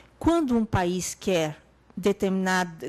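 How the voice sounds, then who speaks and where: A woman with a normal speaking voice talks at a medium pitch with lively intonation. The background is quiet. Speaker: physician and public health speaker. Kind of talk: panel talk answering audience question.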